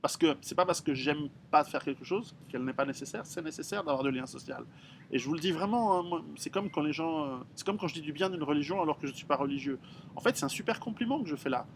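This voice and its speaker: Blunt, halting man. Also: fairly high pitch, expressive, slight background noise. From Switzerland. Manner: frank and blunt, halting with many restarts. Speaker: author answering readers' questions. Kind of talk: casual spoken monologue.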